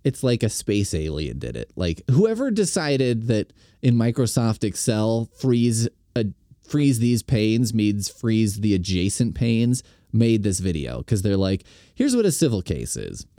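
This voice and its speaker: A man's voice: on the low side, sing-song, measured pace, dark tone, no room sound, studio quality. A man hosting a podcast, giving rambling, sarcastic and profane commentary on a video. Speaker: podcast host.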